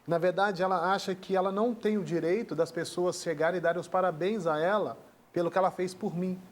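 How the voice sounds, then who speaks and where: A man's voice: high voice, steady tone, a little fast. A man with a Brazilian Portuguese accent telling an emotional personal story as a guest on a talk show, acting out the dialogue as he goes. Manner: earnest, acts out dialogue in the retelling.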